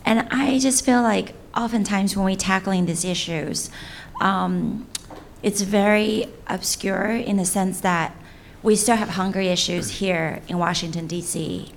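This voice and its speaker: A woman's voice: mid-range voice, a little slow, vocal fry. A woman speaking informally as an audience member at a forum, with faint room noise around her. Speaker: audience member asking a question. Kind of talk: informal spoken question at a forum.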